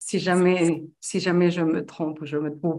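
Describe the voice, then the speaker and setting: A woman with a Spanish accent speaks in a fairly low pitch at a very slow pace with monotone, flat intonation. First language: Spanish (speaking French). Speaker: life coach. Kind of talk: webinar talk. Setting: video webinar.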